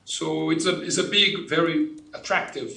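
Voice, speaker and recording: A man in his fifties with a Brazilian accent, a native Portuguese speaker, talking through his career in a measured, explanatory way as an interview guest. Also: fairly high pitch, steady tone, creaky, sharp tone. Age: 50s. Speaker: company executive, interview guest. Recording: roomy, echoing sound.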